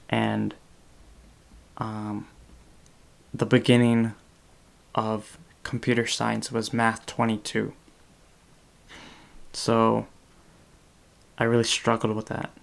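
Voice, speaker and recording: A creaky, medium-pitched male voice belongs to a podcast host in his twenties, chatting casually over a video call from a small indoor room. He rambles, using lots of fillers and correcting himself as he goes.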